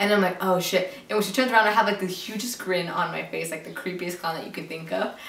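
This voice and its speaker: Words come at a very fast pace, with audible room echo and noticeable background noise. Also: woman. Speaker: YouTuber. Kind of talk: casual vlog Q&A. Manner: animated.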